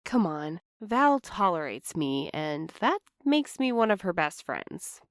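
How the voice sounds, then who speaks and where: A woman playing an anxious, apologetic young postal worker in a fiction podcast, earnest and halting in her delivery. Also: fairly low pitch, big pitch swings, no echo. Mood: anxious, defensive. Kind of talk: fiction podcast audio drama acting.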